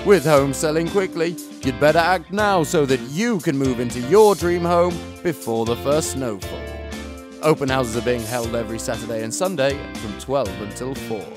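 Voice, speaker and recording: A man's voice: mid-range voice, normal speed. A young man voicing a commercial in an upbeat, persuasive announcer style, recorded on a studio microphone. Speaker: voice actor. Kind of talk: commercial voice-over read. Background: faint music.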